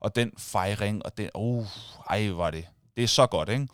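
A man's voice: on the low side, dry recording, studio quality. Man animatedly telling a story. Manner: animated storytelling, acts out crowd shouts. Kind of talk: casual chat.

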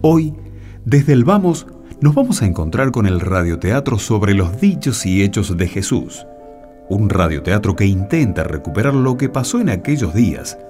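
A man's voice: on the low side, sing-song, moderate pace, a little mellow. A man reading a scripted introduction as the announcer of a radio program. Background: guitar music.

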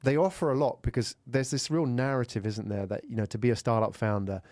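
A man's voice: medium pitch, steady tone, fairly quick, darkish tone, no echo. A man in his forties hosting an interview, chatting casually, with fillers and friendly prompts. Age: 40s. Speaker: podcast host.

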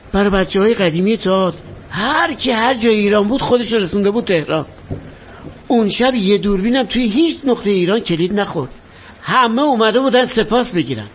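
A man's voice: high voice, slight background noise. An actor playing a vain, half-mad former star who talks grandly and bitterly about his fame. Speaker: actor in a stage or film drama. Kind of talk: dramatic monologue acting.

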